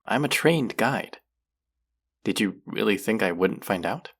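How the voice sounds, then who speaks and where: A voice actor playing a caring but gently stern clinic guide in a roleplay audio drama, soft-spoken and concerned, talking straight to a patient. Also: medium pitch, lively intonation, measured pace, slightly rough, full character voice. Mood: alarmed, insistent. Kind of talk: roleplay audio drama, speaking softly to the listener.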